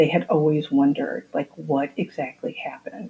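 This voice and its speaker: This woman speaks with a Midwestern US accent. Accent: Midwest nasal. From US Midwest, Waukegan, Illinois. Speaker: true crime podcast host. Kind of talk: interview.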